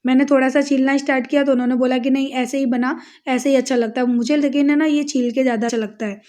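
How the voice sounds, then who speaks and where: A high-pitched young woman from India talks casually to her viewers, walking them through her day at home. Her delivery is chatty and direct, like a family vlogger narrating chores. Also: fairly even intonation, fast talker, dark tone. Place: home, village house.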